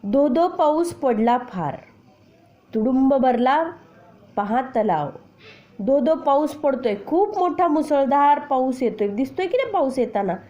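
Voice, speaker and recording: A woman teacher explaining a children's poem to her class, reciting lines slowly and then explaining each word with questions to the pupils. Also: sits high, mellow. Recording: dull lo-fi recording.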